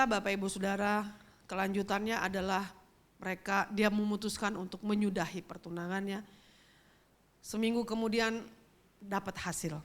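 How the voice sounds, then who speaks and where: Chatty middle-aged woman pastor. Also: medium pitch. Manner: chatty storytelling, addresses the congregation directly. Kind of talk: sermon with personal testimony. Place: church.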